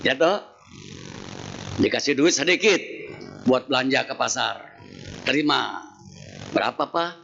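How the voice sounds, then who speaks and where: Male Buddhist preacher, unhurried comic storyteller who acts out voices; dull lo-fi temple-hall recording. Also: medium pitch, vocal fry. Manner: animated, acts out quoted dialogue in shifting voices. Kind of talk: humorous sermon storytelling. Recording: dull lo-fi sound with faint noise.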